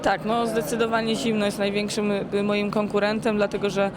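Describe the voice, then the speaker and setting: A sleep-deprived woman athlete giving a casual interview, halting and searching for words. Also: mid-range voice, monotone, background noise. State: sleep-deprived after three days awake. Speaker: endurance swimmer being interviewed. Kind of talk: casual post-challenge interview.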